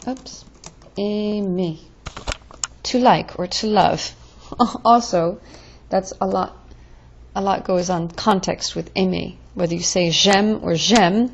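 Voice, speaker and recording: A woman's voice: medium pitch, slightly rough, lo-fi sound. A woman teaching French verb conjugations in a patient, drilling way, as in a recorded lesson.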